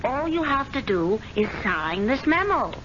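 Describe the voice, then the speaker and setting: A brisk, insistent young secretary, fast on her words, in a bright, fairly high register. The sound is dull and lo-fi, like an old radio broadcast. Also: sing-song, a little hiss or hum, heavily acted. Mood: pushy. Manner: brisk, insistent, talks over the other. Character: pushy, self-assured young woman secretary. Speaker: actress in a radio drama. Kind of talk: 1970s radio drama acting. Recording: dull lo-fi vintage radio recording.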